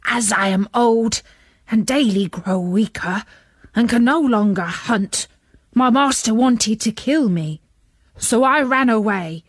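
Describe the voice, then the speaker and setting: A woman voicing a weary old runaway hunting dog in a children's story, slow and sorrowful. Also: on the high side, husky, no room sound, studio quality.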